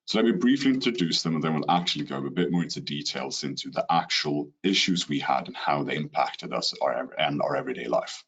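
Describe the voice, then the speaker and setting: With an extremely low, husky voice, a man from Sweden speaks quickly and with few pauses in a rehearsed business webinar on a call. His Swedish-accented delivery is steady, sprinkled with the odd "you know," and he uses a computer mic.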